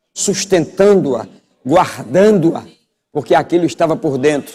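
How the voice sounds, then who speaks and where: Speaking at a moderate pace, a man with a fairly high pitch has a dark, mellow tone. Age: 60s. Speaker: pastor. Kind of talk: sermon.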